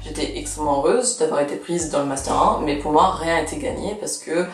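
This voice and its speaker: A woman's voice: low-pitched, brisk, faint music behind. Young woman vlogging, chatty, losing her voice, echoey room, distant mic. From Canada. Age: 20s. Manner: chatty, many fillers and restarts. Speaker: law student vlogger. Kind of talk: casual vlog chat.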